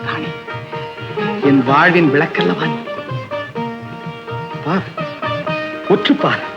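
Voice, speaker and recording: An actor playing a young hero who feigns drunken despair, by turns bitter and gently teasing, in 1960s film acting. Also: male voice, fairly high pitch, takes it slowly, gravelly, over loud music. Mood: tender. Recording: dull old film soundtrack.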